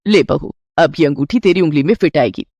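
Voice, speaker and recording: A woman voicing a calm, resourceful older mother-in-law in a cartoon story, with a soothing, reassuring manner. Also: low voice, a little fast, no room sound, highs cut off, voice pushed down.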